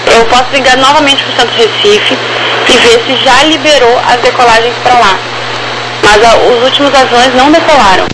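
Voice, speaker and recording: A woman's voice: on the high side, normal speed. A woman with a Brazilian accent giving procedural instructions as an air traffic controller over a walkie-talkie style radio. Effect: walkie-talkie style aviation radio. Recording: very noisy two-way radio transmission.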